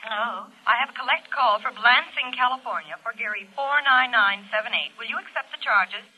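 An actress playing a polite telephone operator, heard over a telephone line in an old radio drama, speaking in crisp, formal phrases. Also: female voice, fairly high pitch, brisk, sharp tone, exaggerated voice. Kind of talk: 1940s radio drama acting. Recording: dull lo-fi old radio recording.

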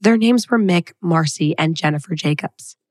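A woman co-hosting a podcast reads a dramatic true crime opening despite being sick. Her voice is low and worn, and the recording is close and dry. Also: normal speed, darkish tone, no room sound. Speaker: podcast co-host. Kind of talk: scripted true crime intro.

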